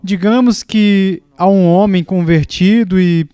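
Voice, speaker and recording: A man with a notably high voice delivers a dubbed sermon. He speaks emphatically, leaning on pauses and repeated words. The sound is close and dry. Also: warm tone, clean tone, dry recording. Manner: emphatic, with deliberate pauses and repetition. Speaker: preacher's voice in a dub.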